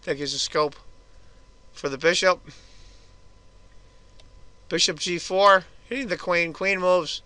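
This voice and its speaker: A hoarse man giving casual, chatty move-by-move commentary on a chess game for his video channel. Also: high-pitched, slow pace, long pauses, sharp tone, dry recording.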